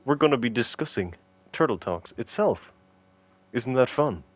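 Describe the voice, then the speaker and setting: A man's voice: medium pitch, expressive, moderate pace, dry recording. A man co-hosting a casual podcast, joking and teasing, with exasperated rants. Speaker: podcast co-host.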